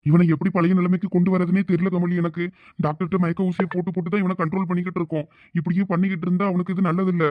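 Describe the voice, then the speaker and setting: A man voicing a cartoon character with a Thoothukudi Tamil accent, pleading and hurried. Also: sits high, flat delivery, no room sound, phone-quality sound. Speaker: narrator and voice of all male characters. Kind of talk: cartoon voice acting.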